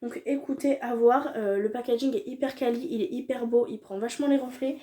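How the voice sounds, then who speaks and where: A young woman talks through her makeup haul in a relaxed, chatty way, peppering her speech with fillers and slang. Her voice sits a little high but sounds mellow and soft-edged. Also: brisk. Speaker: beauty vlogger. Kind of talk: casual product haul chat.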